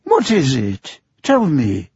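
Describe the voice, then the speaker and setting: Gentle old father, soft and faltering, husky, as a male reader puts him on, dull dry sound. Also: medium pitch, wildly swooping pitch, slow pace, no echo, heavily acted. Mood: tender, worried. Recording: muffled, dry, lo-fi.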